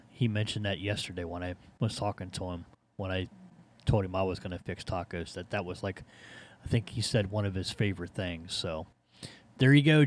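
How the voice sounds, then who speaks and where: Low-voiced American man on ham radio. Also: a little mellow. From Ohio, United States. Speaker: amateur radio operator. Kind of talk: casual ham radio chat.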